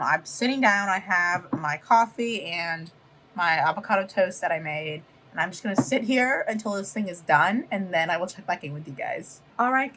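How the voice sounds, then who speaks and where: A young woman chats to the camera in a hoarse, half-lost voice with a bright, sharp edge. She rambles through her plans in a loose, casual way and circles back often. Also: medium pitch. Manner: rambling, with many fillers and restarts. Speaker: vlogger. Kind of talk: casual vlog chat to camera. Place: at home, seated.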